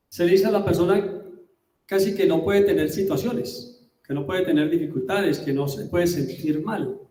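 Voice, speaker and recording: A man preaching a sermon as a pastor, emphatic, with rhetorical questions and drawn-out words. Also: sits high, dark tone. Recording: roomy, distant mic.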